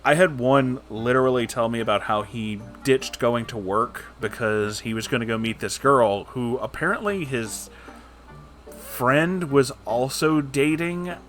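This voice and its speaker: A man talks casually to his audience as a host giving commentary. His delivery is informal and rambling, peppered with joking asides and swearing. His voice sits at an average pitch, with light music playing behind it. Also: unhurried, fairly bright tone. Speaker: host reading and reacting to stories.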